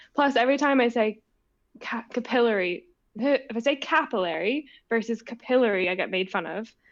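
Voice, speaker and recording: A woman with an American accent talks at a fairly quick pace and a fairly high pitch. Her lively intonation stands out against a quiet background. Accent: American with slight picked-up UK tinge. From United States, military family moving often. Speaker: PhD researcher. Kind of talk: casual interview chat.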